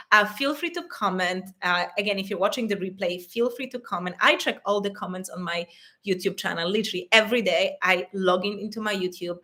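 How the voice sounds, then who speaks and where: A woman from Poland with a Polish accent, hosting a live stream as an intimacy coach and answering chat questions warmly and with frequent laughter. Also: mid-range voice. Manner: warm and affectionate, calls viewers "my loves", laughs often.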